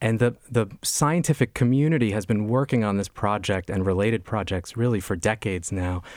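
In a normal speaking voice, a man talks at a fairly quick pace with hardly any pauses, fairly low pitch and ordinary pitch variation, on a very clean recording with a silent background. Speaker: geologist. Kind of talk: interview. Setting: studio.

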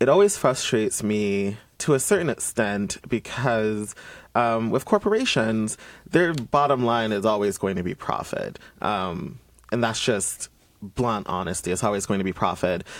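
A man with an American accent and a normal speaking voice, medium pitch, ordinary pitch variation, and a moderate pace. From Georgia, US South (Columbus). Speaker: activist and community organizer. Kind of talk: panel discussion.

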